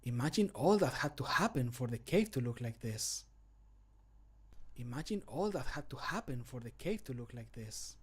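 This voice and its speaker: A man voicing an excitable male adventurer in video game lines, with an eager manner. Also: mid-range voice, moderate pace, breathy edge. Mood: fascinated. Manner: eager, gushing. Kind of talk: video game voice line acting.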